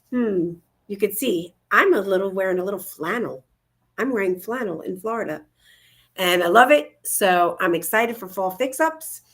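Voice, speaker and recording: Her voice sits at medium pitch with a fairly bright quality as she co-hosts an upbeat, casual livestream chat on a video call. She's at home indoors in Florida, effusive and bubbly throughout.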